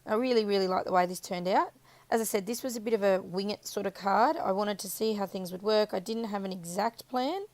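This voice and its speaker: Croaky woman rambling through a craft voiceover. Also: mid-range voice, moderate pace, a little mellow, no room sound. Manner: chatty, rambling, self-correcting. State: croaky, scratchy voice. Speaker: craft video maker. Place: voiceover recorded apart from the footage.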